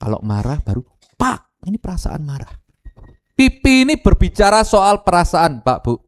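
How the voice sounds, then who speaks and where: Middle-aged East Javanese male pastor, animated preaching, speaks to the pews. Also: high voice, a little fast. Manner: animated, addresses congregation directly, mixes Javanese phrases. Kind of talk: lively sermon with acted quotes.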